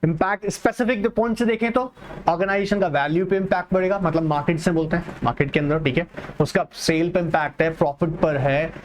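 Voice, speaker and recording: Calling his students "beta," a slightly high-voiced man teaches exam prep online, reading each English point slowly before explaining it in Hindi mixed with English. A faint hiss or hum sits in the background.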